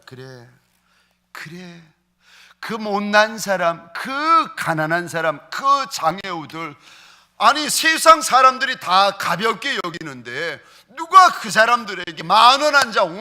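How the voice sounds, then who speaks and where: A man delivers a sermon as a pastor. His voice is very bright and ringing and sits a little high. He acts out the voices he quotes and slows into a measured prayer.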